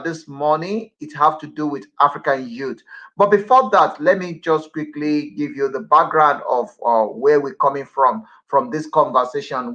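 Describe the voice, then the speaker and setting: A man's voice: on the high side, sharp tone, highs cut off. A man hosting an online radio interview show, talkative and prone to repeating himself. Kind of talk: broadcast interview.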